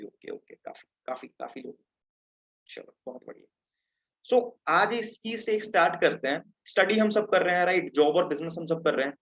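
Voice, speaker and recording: A teenage man from Punjab runs an online class over a video call, his voice sitting a little high. He talks in a chatty way, keeps checking in with his audience, and the sound is dull and lo-fi. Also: fairly bright tone. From Punjab, India. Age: teens. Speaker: webinar presenter. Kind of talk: interactive online lesson.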